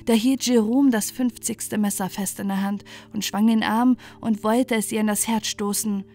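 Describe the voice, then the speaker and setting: A woman's voice: medium pitch, steady tone, normal speed, darkish tone. A woman narrating a scripted bedtime fairy tale as a storyteller. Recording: music bed under the voice.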